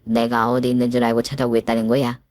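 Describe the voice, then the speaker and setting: Woman reading a sneering mother-in-law for a narrated story; very low voice, dry close mic. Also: level tone, fast talker, a little mellow, no room sound. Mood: scornful. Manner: scornful, bullying, stammers when cornered. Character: spiteful scheming middle-aged mother-in-law.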